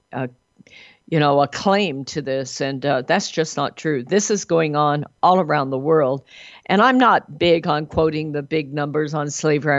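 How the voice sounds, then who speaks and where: An American woman hosting a talk radio show conversationally, with a gravelly voice, hoarse from a cold, earnest and emphatic. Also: deep voice, no room sound, lo-fi sound.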